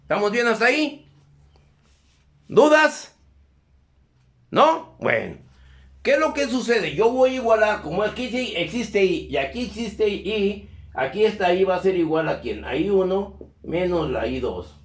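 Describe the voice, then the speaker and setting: A man with a fairly high voice teaches a class in an echoey classroom. He walks through the steps and keeps asking whether everyone is following. Picked up by a camera in the room. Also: very animated, unhurried, long pauses. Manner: constantly checks in with questions to the class. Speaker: electrical engineering teacher. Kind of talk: live class lecture.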